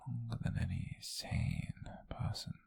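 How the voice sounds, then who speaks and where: A British man in an ASMR roleplay, playing an obsessive, possessive lovesick co-worker in a breathy, gravelly whisper, slow and intimate, close to the microphone. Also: mid-range voice, darkish tone, dry recording, exaggerated voice. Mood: confessional, longing. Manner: slow, intimate, brooding, with heavy pauses. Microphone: close-up, dry microphone.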